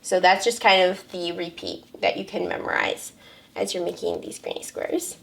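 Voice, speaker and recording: A young woman with a hoarse, raspy voice, talking through a crochet pattern step by step, counting stitches aloud and correcting herself as she goes. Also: on the low side, fairly even intonation, moderate pace. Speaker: crochet pattern designer teaching a tutorial. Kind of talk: step-by-step crafting tutorial.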